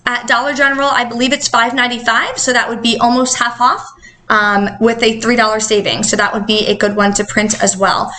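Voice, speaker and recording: A woman's voice: a little high, flat delivery, fairly quick, a crowd in the background. A woman hosting a casual, chatty, upbeat coupon vlog, her articulation slightly altered by wearing dental retainers.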